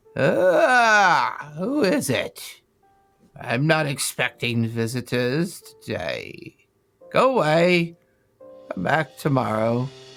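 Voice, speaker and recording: Putting on a character voice, a man with a fairly high pitch speaks very slowly, with very wide pitch swings and long, frequent pauses, as faint music plays in the background. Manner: grumpy, dismissive.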